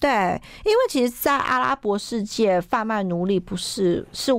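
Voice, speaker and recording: A woman speaks at a fairly high pitch with lively intonation. The recording is very clean, the background silent. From New Zealand (Auckland), born in Taiwan. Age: young. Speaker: travel author. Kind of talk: interview.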